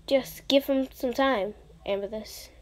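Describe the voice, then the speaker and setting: A playful young female friend, acted by a woman, high in pitch and slow in delivery. She teases and reassures in the style of an amateur character audition. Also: close to an everyday voice. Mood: playful, teasing.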